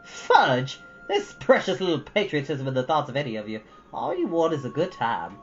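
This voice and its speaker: A woman's voice: very deep voice, sing-song, normal speed, dull audio, soft background music. A woman voicing a stern older guardian from a storybook, brusque, scolding and disapproving. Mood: grumbling. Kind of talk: storybook character voice.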